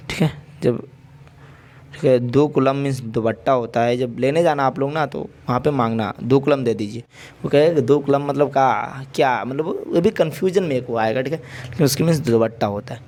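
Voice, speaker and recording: A man's voice: mid-range voice, a little mellow. A male teacher giving an exam-prep lesson, drilling word lists with frequent check-ins and playful examples.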